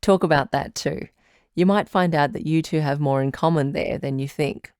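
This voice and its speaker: A woman playing a calm, caring radio advice doctor who hosts a call-in show in a measured, reassuring way. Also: deep voice, clear, resonant tone, no room sound, clean studio sound, natural voice.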